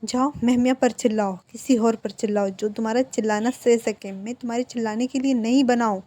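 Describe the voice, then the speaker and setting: Woman narrator puts on a young male friend, confrontational and scolding, soft mellow tone. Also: on the high side, fairly even intonation, brisk, lightly acted. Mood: angry. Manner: scolding, challenging questions. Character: young man, protective friend, angry and confrontational.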